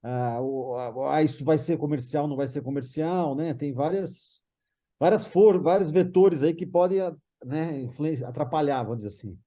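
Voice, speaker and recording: Brazilian man, soft dark tone, slightly high pitch, loose digressive panel talk with restarts and tag questions. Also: moderate pace. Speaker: panel participant discussing a TV writer's work. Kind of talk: casual conversational explanation.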